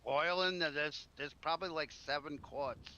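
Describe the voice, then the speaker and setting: A man's voice: a little high, moderate pace, bright, forceful tone, clean tone, dull audio. A man chatting in character in an online roleplay game, explaining things in a chatty way. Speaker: roleplay gamer playing a trader. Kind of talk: improvised in-character casual chat. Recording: noisy game voice chat.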